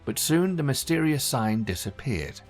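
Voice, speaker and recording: A man reading a scripted documentary narration in a measured, even storytelling manner. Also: medium pitch. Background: faint background music.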